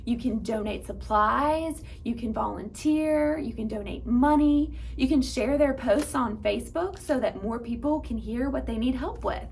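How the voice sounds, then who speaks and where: A woman reading aloud to young children at storytime, with an animated manner and speaking directly to her listeners. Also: a little high, a little slow, gravelly, hardly any pauses, slight background noise. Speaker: children's librarian and storytime reader.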